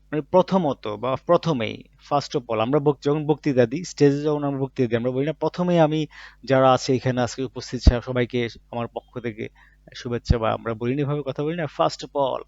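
A man's voice: medium pitch, vocal fry, no echo. A man teaching Japanese vocabulary. He says each word, then explains it with everyday examples, often asking a question and answering it himself. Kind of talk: vocabulary lesson in Bangla. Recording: dull, muffled recording in a dry room.

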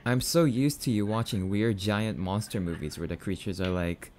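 Casting: male actor as sulky, skittish catboy boyfriend for ASMR roleplay, lowish voice, unhurried, noisy recording. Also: darkish tone, lightly acted. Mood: spooked, clingy. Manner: stammering, defensive, sulky. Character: grumpy, easily spooked, affectionate young catboy boyfriend.

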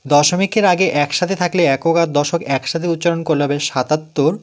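A man's voice: fairly high pitch, fairly quick. Patient Bengali man teaching math. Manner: patient, repeats digits one by one. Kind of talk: classroom math lesson, explaining step by step.

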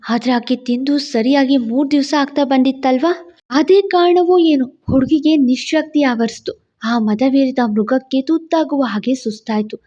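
High, mellow-voiced woman storyteller. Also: moderate pace, lo-fi sound. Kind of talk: dramatic audio-story narration.

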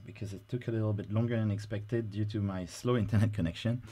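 Brief: male presenter, low mellow voice, relaxed screen-recording tutorial delivery with filler words. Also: fast talker, husky. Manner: casual, explanatory, frequent "uh" fillers.

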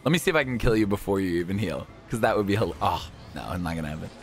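A young man hosting a gaming video, talking at a home desk mic in excited banter, laughing often and shouting when thrilled. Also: low-pitched, racing. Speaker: gaming channel host. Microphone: webcam and desk mic.

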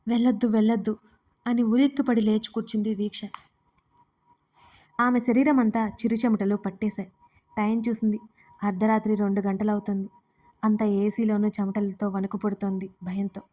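A woman narrating a romance story in an even, steady reading style. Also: mid-range voice, moderate pace, pauses often.

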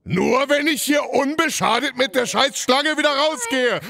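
An actor playing an aggressive, cornered gangster in a radio play, menacing and foul-mouthed. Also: male voice, extremely high pitch, animated, moderate pace, creaky, sharp tone, full character voice. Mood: menacing, defiant. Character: cornered aggressive male gangster holding hostages.

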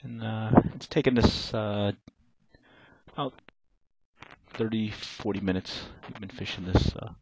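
A man's voice: on the low side, unhurried, long pauses, a little mellow, breathy edge, poor audio. A middle-aged man, narrating his fishing trip in a laid-back, plain-spoken way with lots of uh fillers. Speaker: fishing vlogger. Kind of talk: casual voice-over narration.

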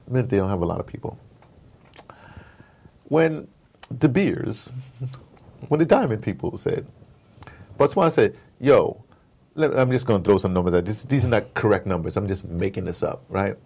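A man's voice: lowish voice, moderate pace, gravelly, long pauses, breathy edge. A man being interviewed, giving passionate, informal political commentary with emphatic storytelling, slangy phrasing and rhetorical questions. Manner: animated, emphatic storytelling, acts out dialogue. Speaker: interview guest.

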